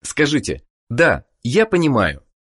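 A man narrating a language course, giving measured prompts for the listener to repeat. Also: medium pitch, huge pitch swings, a bit bright, breathy edge. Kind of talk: scripted instruction.

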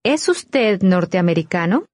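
A woman reading scripted dialogue lines for a language course with clear, careful enunciation. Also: mid-range voice, big pitch swings, a little slow, a little mellow, no echo, clean studio sound.

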